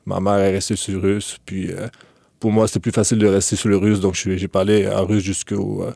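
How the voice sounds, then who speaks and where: Deep, flat-voiced young man, hesitant. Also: a little fast, gravelly, no echo. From Ukraine. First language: Russian. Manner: hesitant, many fillers and restarts. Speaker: guest. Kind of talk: relaxed interview talk.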